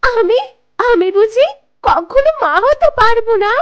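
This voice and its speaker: A woman's voice: very high-pitched, lively intonation, a little slow, a bit bright, highs cut off, exaggerated voice. A woman voicing a timid, gullible, sorrowful little mother tailorbird in a children's cartoon, pleading and stammering plaintively. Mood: tearful.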